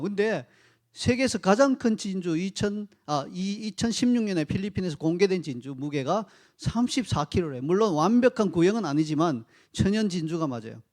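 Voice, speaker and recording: A male pastor giving a sermon in a conversational, animated way, speaking directly to his congregation and telling stories. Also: sits high. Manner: animated storytelling.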